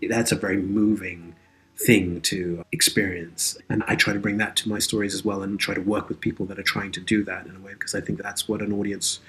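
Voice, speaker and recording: A man's voice: sits low, fairly bright tone. A man speaking earnestly and reflectively as a guest in an interview, explaining his ideas in a thoughtful, philosophical way. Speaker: interview guest, audio drama creator and actor.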